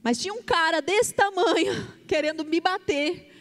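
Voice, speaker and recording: Woman pastor, high voice, sermon storytelling, emotional, long reverb. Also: moderate pace. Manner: emotional, vivid retelling with quoted dialogue.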